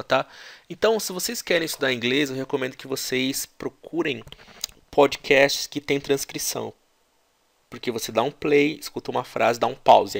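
A man teaching English in a casual vlog, slowly repeating English phrases and then explaining them. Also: mid-range voice, vocal fry. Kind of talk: language lesson vlog.

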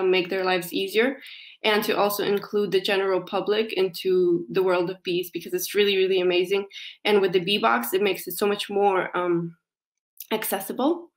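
A young woman in her twenties, a company representative, explaining casually in a remote interview with many fillers, heard over a video call from a small room. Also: medium pitch. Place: small indoor room, plain wall. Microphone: video call, laptop camera.

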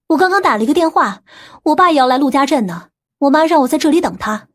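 Woman acting a high-voiced, fretful family woman. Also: lively intonation, fast talker. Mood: eager. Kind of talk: audiobook character dialogue.

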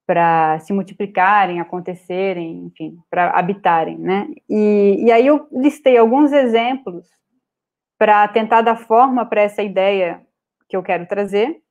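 A woman with a Brazilian Portuguese accent giving an online lecture over slides, pausing often with fillers and restarts. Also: medium pitch, a little mellow. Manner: hesitant, many filler "é" and restarts. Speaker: guest speaker on art publishing. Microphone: video call webcam.

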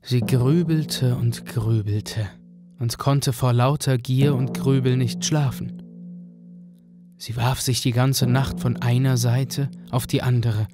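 A man narrating a fairy tale in a radio play. His telling is calm and measured, at a slow pace. Clear music plays behind him. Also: medium pitch.

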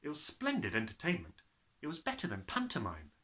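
A man's voice: medium pitch, a little fast. A young man reading a children's story aloud as a theatrical, dramatic narrator. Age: young adult. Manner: theatrical, animated.

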